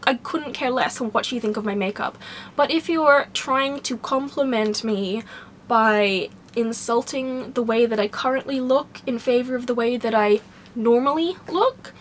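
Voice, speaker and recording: A young woman speaks straight to a close camera in a small room, her voice hoarse because she has a cold. She talks in a candid, wry, rambling way, sitting a little high in pitch. A faint hiss sits under the recording. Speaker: vlogger. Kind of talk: casual talking-to-camera vlog. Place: small home bedroom, indoors.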